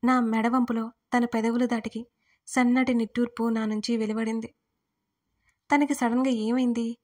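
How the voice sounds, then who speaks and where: A young woman reads a romance story aloud as its heroine, in the first person. Her voice sits a little high for a woman. She keeps the telling intimate and full of feeling. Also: flat delivery, normal speed, darkish tone. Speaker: audio story narrator.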